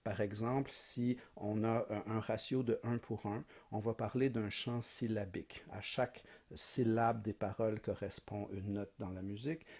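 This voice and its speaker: A man's voice: on the low side, steady tone, moderate pace, hardly any pauses, darkish tone. A man giving a recorded music history lecture, explaining patiently, asking rhetorical questions and singing short examples.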